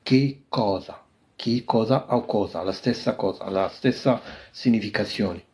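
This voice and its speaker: A man with a Moroccan Arabic accent teaches Italian in a live online lesson. His voice sits a little low, and he says each word again and again, stretching the phrases out slowly. He is unwell and coughs as he goes. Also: darkish tone. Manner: repeats each word many times, drills phrases very slowly.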